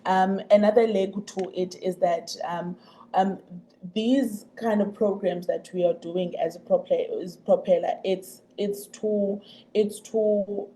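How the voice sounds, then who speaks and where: A woman with a Xhosa South African accent explaining in a radio interview, haltingly and with repeated words. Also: medium pitch, steady tone, dark tone, rough recording. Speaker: programme representative being interviewed. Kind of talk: radio interview, mixing two languages.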